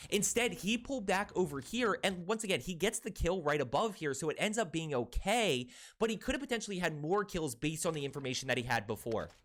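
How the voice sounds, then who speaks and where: A man with a high pitch talks at a very fast pace with hardly any pauses. His pitch swings very widely. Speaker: gaming coach and video creator. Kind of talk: gameplay review commentary. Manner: animated.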